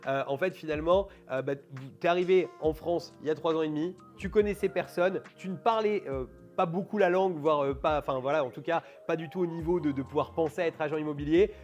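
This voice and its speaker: A man's voice: a little high, fast, hardly any pauses, darkish tone, muffled recording, faint music behind. A man hosting an interview, talking in long, rambling turns. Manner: rambling, full of fillers and restarts. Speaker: host. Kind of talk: casual interview chat.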